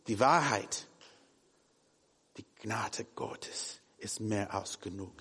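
A man whose first language is English preaching a sermon in German, shifting between hushed and emphatic delivery. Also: mid-range voice, big-room sound. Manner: non-native German, swings from hushed to emphatic.

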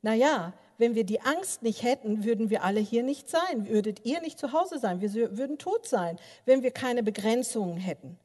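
An older woman giving a sermon, telling personal stories in an animated way with many filler sounds and speaking straight to her listeners. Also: fairly high pitch, normal speed, hardly any pauses. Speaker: preacher. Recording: long reverb of a large hall.

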